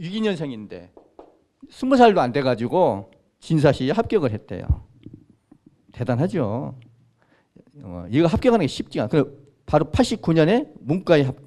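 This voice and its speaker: Older man lecturing, lively and mellow. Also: a little high. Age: 60s. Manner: conversational, asks the audience questions. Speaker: Jesuit priest lecturer. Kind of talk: informal history lecture. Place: lecture room.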